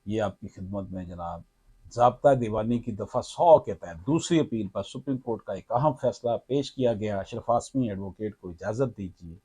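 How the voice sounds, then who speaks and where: A man with a Pakistani Urdu accent, a lawyer, explains a court ruling in a formal, measured way and keeps addressing his viewers. His voice is low and husky. The sound is dry and close, with no room in it. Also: dark tone, dry recording.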